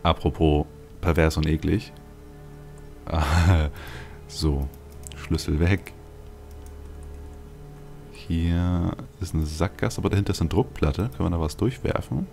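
A man with an extremely low, creaky voice talks casually through a video game as host. His asides are wry and dry-humoured as he thinks aloud. Music plays behind him. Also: slow, long pauses, darkish tone. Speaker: let's play host.

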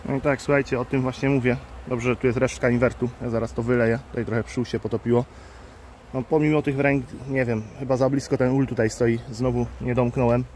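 Male beekeeper vlogger, mid-range voice, relaxed off-the-cuff delivery outdoors on a phone mic, faint bee buzz behind. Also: medium pitch, slight background noise. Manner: unhurried, thinking aloud with fillers. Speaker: beekeeper and channel host. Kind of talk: casual hands-on explainer vlog. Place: outdoors at beehives. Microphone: handheld phone camera. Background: faint outdoor ambience with buzzing bees.

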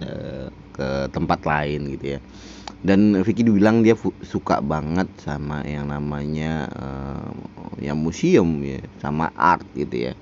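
A man's voice: extremely low pitch, a little mellow, highs cut off, slight background noise. A man hosting a casual reaction commentary, rambling with many fillers and frequent chuckles. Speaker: reaction video host.

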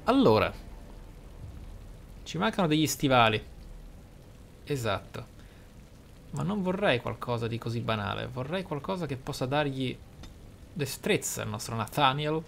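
A man's voice: mid-range voice, animated, unhurried, creaky, pauses often, fairly bright tone, slight background noise. A man giving casual gameplay commentary in a theatrical way, with flowery wording and exclamations. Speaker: gaming video host. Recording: music behind the voice. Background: game music.

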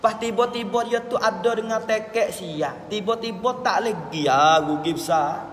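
Male religious teacher, Patani Malay accent, pitched high, preaching through an echoey hall PA. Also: normal speed, fairly bright tone, a little hiss or hum. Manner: preaching with sudden drops to low murmured asides. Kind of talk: sermon. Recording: echoey hall with faint ambience.

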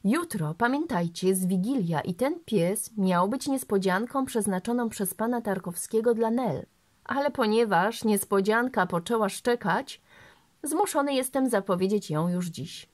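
A woman voicing a jovial English gentleman and father, teasing and hearty. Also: mid-range voice, expressive, unhurried.

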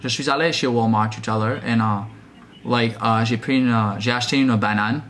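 A young man with a Quebec French accent, talking casually and haltingly as a prank caller. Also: mid-range voice, fairly even intonation, a bit bright, slight background noise. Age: young adult. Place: small room indoors.

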